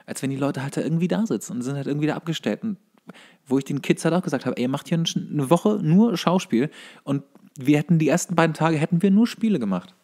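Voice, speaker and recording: A man's voice: fairly high pitch, lively intonation, fast talker, a little mellow. A young man chatting casually as a podcast co-host, colloquial and opinionated. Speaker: podcast co-host and workshop teacher.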